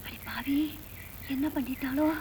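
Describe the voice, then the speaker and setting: A woman's voice: very high voice, animated, moderate pace, bright, forceful tone, a little hiss or hum, full character voice, poor audio. An actress playing a hot-tempered village woman who scolds and wails theatrically in an old Tamil film. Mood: wailing. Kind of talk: 1980s Tamil film acting.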